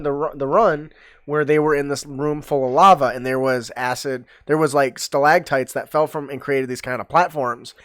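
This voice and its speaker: A man's voice: a little high, no room sound. Podcast host, man, stuffy nose, dry close sound, loose rambling delivery. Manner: rambling, many fillers, laughs easily. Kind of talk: casual tabletop gaming chat.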